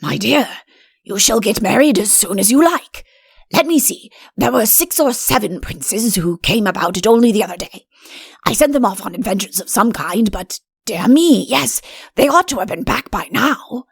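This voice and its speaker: A woman's voice: mid-range voice, animated, normal speed, vocal fry, breathy edge, dry recording, studio quality. A woman playing a pompous, fussy storybook king. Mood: genial, fussy. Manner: blustering, self-important, rambling. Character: pompous, genial middle-aged fairy-tale king, a doting father. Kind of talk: audiobook character voice.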